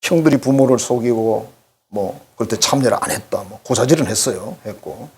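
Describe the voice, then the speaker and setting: A male pastor with a mid-range, slightly rough voice preaches a conversational sermon at a fairly quick pace. He's animated, speaking straight to the congregation and acting out the voices he quotes.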